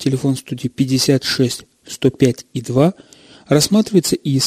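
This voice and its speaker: Somewhat breathy and at a medium pitch, a man's voice comes through with a dry, close sound and no echo. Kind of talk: call-in radio show. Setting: studio.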